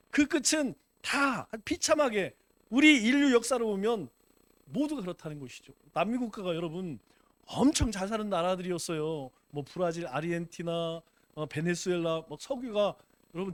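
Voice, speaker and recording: A male pastor gives a sermon in a high, lifted voice, turning constantly to his congregation with rhetorical questions. His talk is conversational rather than formal. The recording is dry, with little room sound. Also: animated, normal speed, no room sound. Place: church.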